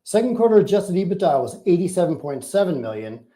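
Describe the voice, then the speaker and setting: A man's voice: sits high, sing-song, fast talker, warm tone. A man, a company finance chief, formally and methodically reading a scripted financial report on an earnings call.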